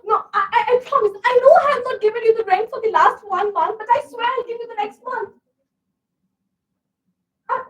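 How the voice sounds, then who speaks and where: A woman acting as a struggling young student in a stage play, her very high voice pleading and breaking as she stammers over her words. She sounds set back from the mic across a stage. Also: recorded from a distance, heavily acted, poor audio. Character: struggling young female international student, desperate. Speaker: stage actor in a one-act play. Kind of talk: live stage monologue.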